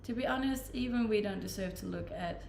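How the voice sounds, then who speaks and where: Danish woman with a gravelly voice, livestreaming. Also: medium pitch, a little fast, darkish tone, echoey room, a little hiss or hum. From Denmark. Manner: chatty and self-deprecating, laughs often. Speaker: Twitch streamer. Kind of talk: casual live-stream chat, reading out and answering viewer comments.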